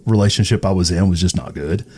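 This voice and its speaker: A man in his fifties from East Texas chatting casually as a guest, often doubling back on his words in a halting way. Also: deep voice, a little mellow, husky. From East Texas, United States. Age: 50s. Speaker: podcast guest, radio personality. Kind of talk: casual personal chat.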